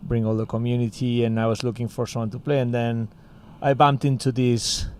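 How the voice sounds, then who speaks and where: A man with a Spanish accent tells a story in a casual podcast chat, filling his sentences with "you know" and "like." His voice sits at an ordinary middle pitch. A faint noise hangs under the recording. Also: little pitch movement, a little fast, darkish tone. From Spain. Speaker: co-founder of a music school.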